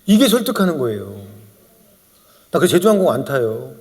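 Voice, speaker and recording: Man, lecturer, high voice, lively swooping delivery, humorous sales talk, acts out quoted lines, long hall reverb. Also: a little fast, heavy background noise.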